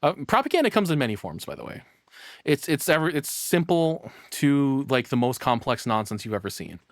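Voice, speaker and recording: A man giving casual live reaction commentary as a streamer, rambling and excitable, with casual swearing. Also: mid-range voice, brisk, no room sound, clean studio sound.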